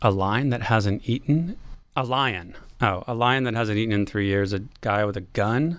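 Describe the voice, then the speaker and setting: A man with a plain, everyday voice speaks at a moderate pace and medium pitch with an American accent and ordinary pitch variation, in a very clean recording with a silent background. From Baltimore, US. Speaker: tech entrepreneur and startup CEO. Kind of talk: casual interview.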